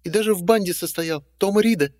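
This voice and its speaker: A man voicing a brave, stubborn young woman in an audiobook, with high, insistent protests. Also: quick pace, darkish tone, in a large hall, close to an everyday voice. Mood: defiant. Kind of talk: audiobook reading.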